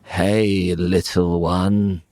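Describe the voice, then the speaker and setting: A British man voicing a greedy, hot-tempered male trickster spider in a folk tale, with drawn-out, exclamatory pleas and demands. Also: deep voice, level tone, darkish tone, dry recording, clean studio sound. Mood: soft, coaxing.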